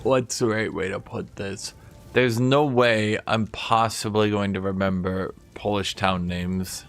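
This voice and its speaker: A man's voice: fairly low pitch, fairly even intonation, measured pace, fairly bright tone, soft background music. A man streaming a game, chatting casually and rambling to his viewers. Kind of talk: casual chat while gaming.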